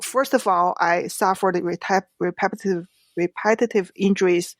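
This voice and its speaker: A middle-aged woman from China, whose first language is Chinese, speaks English with a Chinese accent as an author guest in a podcast interview. Her lowish voice keeps fairly even intonation at a moderate pace as she explains things earnestly with examples, in a dry recording.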